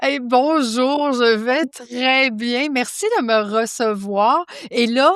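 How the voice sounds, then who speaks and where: A woman's voice: fairly high pitch, takes it slowly, clear, resonant tone, no echo, studio quality. A woman in her fifties from Quebec with a Québécois accent, a financial coach explaining her work in a friendly, casual interview with many fillers. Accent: Québécois French.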